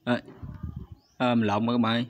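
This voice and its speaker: A YouTube channel host walks viewers through a screen recording in a brisk, level, mid-pitched voice. He is chatty but hesitant, often halting on fillers and speaking to viewers constantly, and the audio sounds slightly dull and lo-fi.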